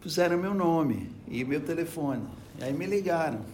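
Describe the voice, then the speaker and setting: A man speaks fairly slowly, and audible room echo can be heard. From Brazil, São Paulo. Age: 60s. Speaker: guitarist. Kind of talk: interview. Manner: halting.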